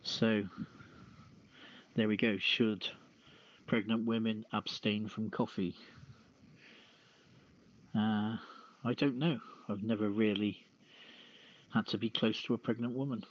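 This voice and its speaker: A man's voice: lowish voice, fairly even intonation, slow pace, pauses often, muffled recording. A man hosting a podcast, reading news aloud and adding casual remarks, stumbling over the odd word. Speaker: podcast host.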